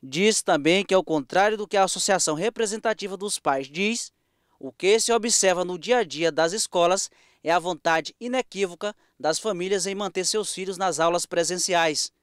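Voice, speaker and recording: A male reporter reads a news package in a high, crisp, smooth voice. The sound is dry and close, and his delivery is formal and even. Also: normal speed, no room sound. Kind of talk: scripted news report voice-over.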